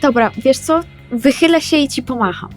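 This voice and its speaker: Higher-pitched woman roleplaying over background music. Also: moderate pace. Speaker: tabletop roleplaying player. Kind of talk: casual in-character game talk.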